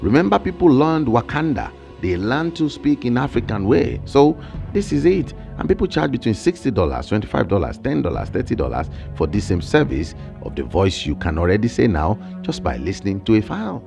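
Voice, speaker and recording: A man in his thirties with a Nigerian accent, explaining online work ideas in an energetic, emphatic way, recorded close on a studio mic in a small home studio. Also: mid-range voice, brisk, creaky, faint music behind. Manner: animated, emphatic, gestures with hands. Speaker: online income creator. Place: small home studio with shelves and plants, indoors. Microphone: large studio mic on a boom, close.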